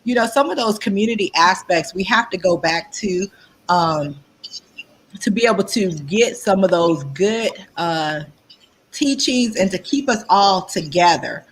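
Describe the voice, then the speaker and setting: Podcast host: woman, husky voice, upbeat and chatty. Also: medium pitch, lively intonation, unhurried. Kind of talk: casual interview chat.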